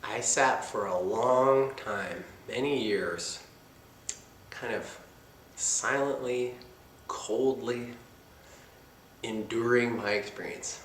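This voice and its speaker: A man giving a meditation talk in a soft-spoken, reflective manner, with casual asides. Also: mid-range voice, takes it slowly, a little hiss or hum. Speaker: meditation teacher. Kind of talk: dharma talk. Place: meditation center hall. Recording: echoey meditation hall with faint ambience.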